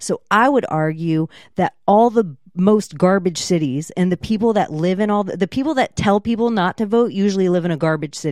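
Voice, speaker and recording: With an American accent and an ordinary speaking voice, a woman talks at a moderate pace with hardly any pauses, medium pitch and lively intonation, captured in a very clean recording with a silent background and a dry, close sound with no echo. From Florida. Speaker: podcaster and researcher. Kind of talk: casual chat.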